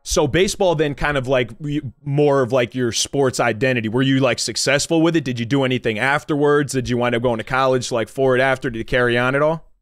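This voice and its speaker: A man's voice: medium pitch, quick pace, few pauses, no echo, clean studio sound, faint music behind. A man hosting a casual podcast interview, talking in a loose, slangy, rambling way with lots of restarts. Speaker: podcast host.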